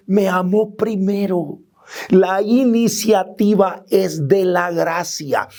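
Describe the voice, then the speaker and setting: Earnest high-voiced Catholic preacher man. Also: darkish tone. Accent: Salvadoran Spanish. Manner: earnest, emphatic, quoting scripture. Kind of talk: preaching a teaching.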